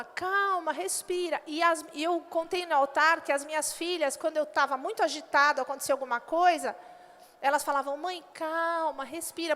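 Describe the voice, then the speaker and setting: A woman pastor preaching a sermon and acting out little quoted dialogues in an animated way. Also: high voice. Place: church hall. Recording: long hall reverb.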